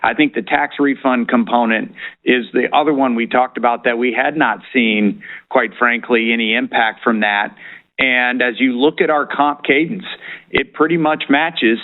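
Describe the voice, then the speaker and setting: A man speaking as a company executive answering questions on an earnings call, in a measured, halting corporate manner. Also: medium pitch, fairly even intonation. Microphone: conference call line. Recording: narrow-band conference phone line.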